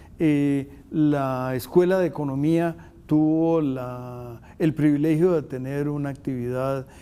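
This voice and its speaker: A man at a very slow pace with hardly any pauses, fairly high in pitch, dark and mellow in tone. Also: fairly even intonation. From Costa Rica. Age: 70s. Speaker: television interviewer, economics program host. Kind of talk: interview. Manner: halting, many fillers.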